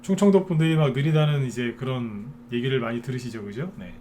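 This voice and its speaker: A man with a medium-pitched, mellow voice speaks quickly over slight background noise. He's giving a live stock market lecture to viewers in a chatty style, frequently checking in with them through short tag questions.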